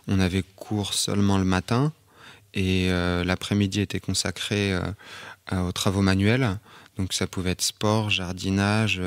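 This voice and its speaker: A photographer from Auvergne talks through his memories in a low, even voice that barely rises or falls. He stumbles, restarts and fills pauses with hesitations. The sound is dry, with no room around it. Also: smooth, no room sound. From Auvergne, France. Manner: hesitant, many fillers and restarts. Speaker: photographer and artist, podcast guest. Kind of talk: reflective interview talk.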